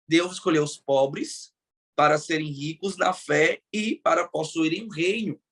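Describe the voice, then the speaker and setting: Male Brazilian podcast host, enthusiastic and preacherly, slightly high pitch. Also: measured pace, a bit bright, slightly rough. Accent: Brazilian Portuguese. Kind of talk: Bible study podcast discussion.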